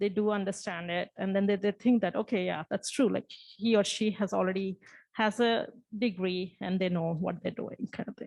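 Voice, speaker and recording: Moderate pace with a non-native accent. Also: woman, medium pitch for a woman, fairly even intonation. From outside the US. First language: not English. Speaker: university science instructor. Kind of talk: panel discussion. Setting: conference panel with audience. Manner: halting.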